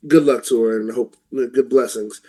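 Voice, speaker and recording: A man's voice: mid-range voice, fairly even intonation, moderate pace, warm tone, slightly rough. A man co-hosting a casual talk show, giving informal opinions and rephrasing as he goes.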